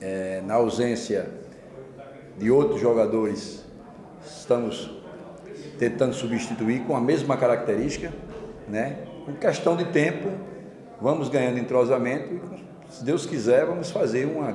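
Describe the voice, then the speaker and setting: Over light background noise, a man talks at a fairly slow pace with long, frequent pauses. Room echo is audible. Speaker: football coach. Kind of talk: press conference answer. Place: meeting room. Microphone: podium.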